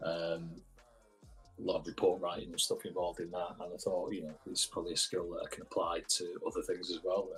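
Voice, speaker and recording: This man has a strong northern English accent. He speaks at a fairly quick pace. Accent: thick northern British. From northern England. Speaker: crypto project team member. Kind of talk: casual interview. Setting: group voice chat.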